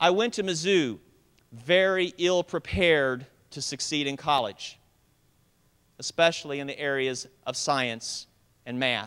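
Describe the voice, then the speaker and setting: With a slight South Missouri accent, a man of fairly high pitch speaks at a fairly slow pace with long, frequent pauses, lively intonation and big swings in loudness, on a very clean recording with a silent background. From rural southern Missouri, US. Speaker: school board association president. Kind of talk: formal speech. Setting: conference hall with audience. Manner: formal.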